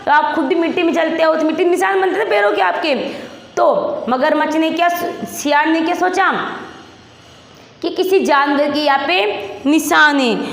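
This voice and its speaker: Woman, Rajasthani Hindi accent, primary teacher, repeats questions, high voice, echoey room. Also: normal speed, gravelly. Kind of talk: online class lesson, reading a story aloud. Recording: roomy echo, long reverb.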